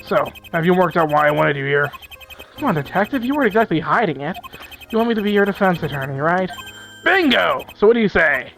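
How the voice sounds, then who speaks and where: A man's voice: high-pitched, lively intonation, quick pace, gravelly, fairly bright tone, soft background music, full character voice, poor audio. A man voicing an upbeat, pushy male detective while reading game dialogue aloud. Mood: eager. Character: eager male detective seeking a lawyer.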